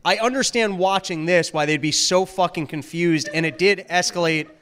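Male co-host, smooth resonant voice, wry analytical chat, long reverb. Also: sits high, moderate pace, a bit bright. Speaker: podcast co-host. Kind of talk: casual commentary chat.

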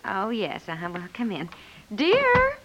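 An actress playing a polite, chatty, slightly scattered American housewife in a 1950s radio comedy. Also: female voice, fairly high pitch, wildly swooping pitch, unhurried, fairly bright tone, heavily acted. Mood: polite, hesitant. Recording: dull 1950s radio recording.

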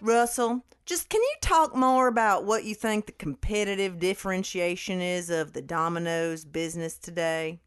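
A woman's voice: on the low side, moderate pace, hardly any pauses, over loud music, lightly acted. A woman playing a financial analyst asking questions in a theatrical earnings-call reenactment. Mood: inquiring. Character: financial analyst probing competitive strategy.

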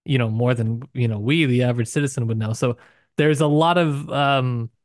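A man co-hosting a podcast talks through books casually and thoughtfully, often qualifying his points as he goes. His voice is medium-pitched at normal speed, in clean studio sound with no echo.

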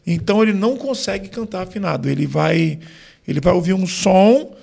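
A Brazilian gospel singer and vocal coach explaining singing on a podcast, with lots of "né" and "tipo" fillers. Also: male voice, high voice, lively intonation, fairly quick, creaky, a little mellow. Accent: Brazilian Portuguese. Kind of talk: podcast interview.

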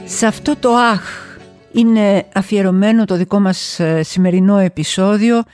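A woman hosting her own podcast, delivering a theatrical, emotive monologue that swings between exclamations and hushed asides. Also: medium pitch, faint music behind. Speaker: podcast host.

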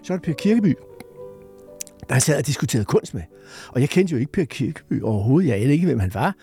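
A man's voice: medium pitch, soft background music. An older man telling a personal story in a casual way, acting out the voices of the people he quotes. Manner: lively storyteller who acts out quoted voices. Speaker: storyteller guest.

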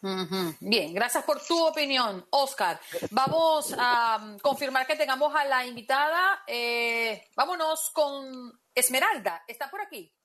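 A woman's voice: high voice, expressive, unhurried, hardly any pauses, fairly bright tone. Woman radio host moving calls along. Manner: brief, polite, moves calls along. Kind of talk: talk radio hosting.

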